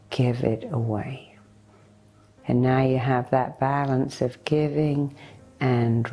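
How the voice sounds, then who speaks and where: Very low, unhurried woman guiding meditation. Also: warm tone. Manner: soothing, deliberate, instructing listener directly. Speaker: hypnotherapist leading a guided meditation. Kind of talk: guided meditation, hypnosis narration. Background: meditation music.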